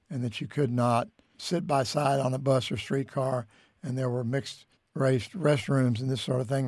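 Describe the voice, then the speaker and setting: An American man recounting history in an interview in a measured, deliberate way, pausing mid-sentence. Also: medium pitch, a little mellow, dry recording, clean studio sound. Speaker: interviewee, musician and radio figure.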